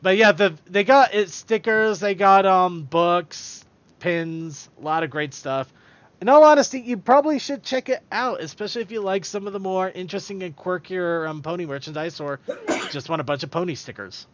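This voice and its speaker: A man's voice: high voice, moderate pace, fairly bright tone, dry recording, lo-fi sound. A man hosting a podcast in casual chat, rambling and stumbling over his words as he goes. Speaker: podcast host.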